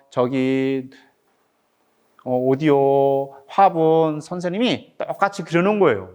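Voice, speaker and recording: A middle-aged man, a picture book author, reads his book aloud to children in an animated teacher's manner and keeps asking them questions. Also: a little high.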